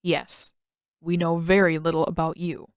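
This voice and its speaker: A woman voicing a stern male elder of a tribal council in a story, speaking in a formal, measured, authoritative way. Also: fairly low pitch, little pitch movement, clear, resonant tone, no echo, studio quality, natural voice. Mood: formal, reserved.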